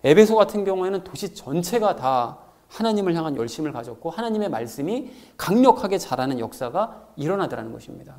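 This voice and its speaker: This man, whose voice leans high, preaches as a pastor. His delivery is expressive and explanatory, and he acts out each quotation along the way.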